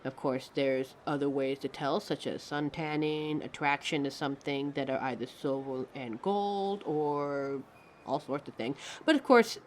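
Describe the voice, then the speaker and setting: A woman's voice: very deep voice, a little slow, a little hiss or hum. A woman voicing a pompous, theatrical living mannequin who lectures the listener as a fussy fashion expert in a scripted roleplay. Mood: patient, instructive. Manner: pompous, affected, instructive, calls listener darling.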